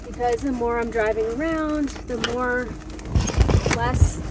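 Loud background noise sits behind a woman's voice, which has a dry sound with no echo. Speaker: car camper vlogger. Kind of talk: casual vlog chat. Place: car. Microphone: phone near.

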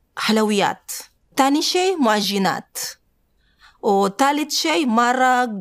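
In a quiet background, a woman talks at a very slow pace with very wide pitch swings. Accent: Indonesian. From Indonesia. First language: Indonesian (speaking Arabic). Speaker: domestic worker; interviewee. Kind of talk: interview. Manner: halting. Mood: cheerful, smiling. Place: studio.

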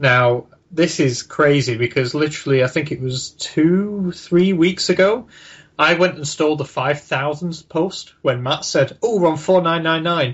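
With a Manchester accent, the voice moves at a fairly slow pace with ordinary pitch variation. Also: man, fairly high pitch for a man. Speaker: entrepreneur and online tutorial creator. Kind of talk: casual chat. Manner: says um often.

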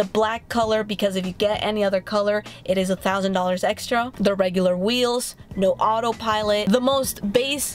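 A woman talks at a moderate pace with fairly even intonation, in a dry sound with no echo and light background noise. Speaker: vlogger. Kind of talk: casual vlog chat. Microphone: phone near.

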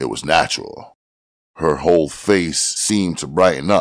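The man has a very deep, low pitch. He talks very slowly. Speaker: voice actor. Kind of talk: novel narration.

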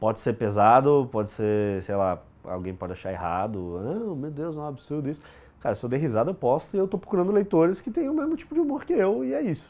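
The speech comes at a very fast pace, with very wide pitch swings. The tone is dark and mellow. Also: man, fairly high pitch for a man. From Brazil. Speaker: internet humorist, website creator; interviewee, internet humor site creator. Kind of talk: interview monologue, casual storytelling. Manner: casual, filler-heavy. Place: office. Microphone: lapel.

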